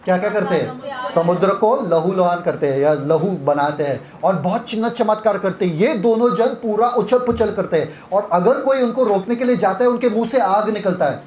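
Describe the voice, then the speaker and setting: A man's voice: high-pitched, normal speed, a little mellow. A man leading a Bible retreat session, teaching interactively and quizzing listeners with repeated questions. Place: retreat hall. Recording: echoey hall.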